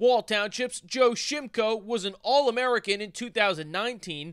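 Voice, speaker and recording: A man uses a raised, projected voice with a high pitch and a bright, sharp tone. The recording is very clean with a silent background and a dry, close sound with no echo. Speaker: sports documentary narrator. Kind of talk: scripted narration.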